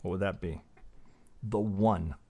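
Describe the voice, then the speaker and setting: A man's voice: sits low, fairly even intonation, measured pace, dark tone. A middle-aged man hosting a trading channel, talking casually through chart analysis, rambling, swearing and asking "right?" again and again.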